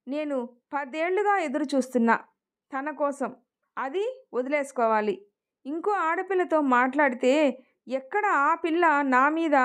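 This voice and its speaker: A woman voicing a devoted, passionate young man in an emotional story reading, speaking earnestly. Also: high-pitched.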